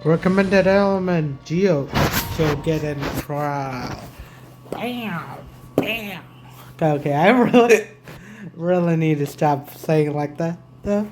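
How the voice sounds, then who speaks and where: A woman's voice: sits low, expressive, slow. A woman giving casual commentary while she plays a video game. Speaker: gaming streamer. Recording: game music behind the voice. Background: video game music.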